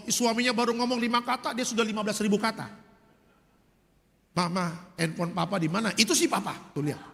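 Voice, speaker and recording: Bright high-voiced preaching man. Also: in a large hall. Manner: lively, humorous storytelling with acted voices. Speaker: pastor. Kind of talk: sermon.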